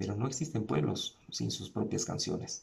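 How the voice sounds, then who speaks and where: Vocal fry runs through speech at a moderate pace against a quiet background. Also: man. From Ecuador, Quito area (Valle de los Chillos). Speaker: orchestra conductor and lecturer. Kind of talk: lecture. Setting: recorded online conference video. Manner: formal. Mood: earnest, expressive. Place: home room. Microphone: webcam.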